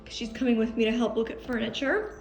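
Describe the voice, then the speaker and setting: Chatty young woman with vocal fry. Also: fairly high pitch, fast talker, a little mellow, soft background music. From Canada. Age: 20s. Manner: chatty, frequent "like" and "um" fillers. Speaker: vlogger. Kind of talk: casual vlog chat. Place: at home, then a furniture store.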